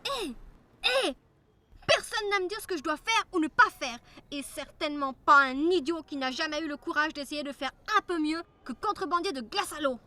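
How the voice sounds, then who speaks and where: A woman's voice: sits high, animated, a little fast. A woman voicing an earnest, indignant young female rabbit police officer in a cartoon dub, with a stern manner.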